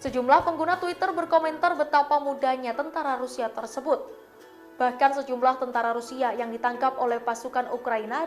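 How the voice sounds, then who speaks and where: A woman with an Indonesian accent narrating a scripted news voice-over. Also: sits high. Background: faint background music.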